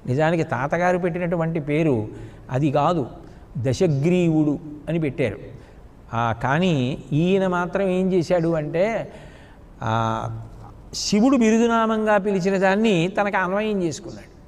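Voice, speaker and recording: A man's voice: a little high, expressive, unhurried, long pauses, a little mellow. A man giving a devotional sermon, retelling scripture stories and putting rhetorical questions to his listeners. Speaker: religious discourse speaker. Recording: long hall reverb.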